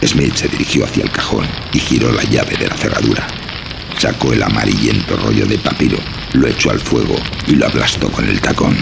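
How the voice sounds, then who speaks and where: A man narrating a horror story from a script in a solemn, deliberate, dramatic way. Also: rumbling low, creaky, very noisy.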